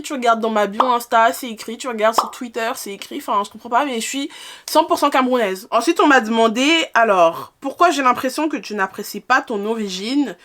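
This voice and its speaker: A young woman in her twenties, raised in France, answering viewer questions in a casual vlog, frank and exasperated, with rhetorical questions. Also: fairly high pitch. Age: 20s.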